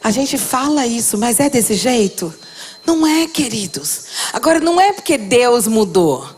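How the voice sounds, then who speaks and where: A middle-aged woman pastor preaching a passionate sermon, swinging from hushed to loud exhortation. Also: on the high side, big pitch swings, measured pace, slight background noise.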